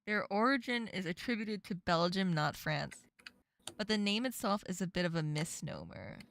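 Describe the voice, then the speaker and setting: A woman's voice: medium pitch, normal speed, vocal fry, slight background noise. A woman with an Asian American accent, hosting a casual chat with guests and laughing often. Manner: giggly, laughs often, lively and playful. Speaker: streamer host.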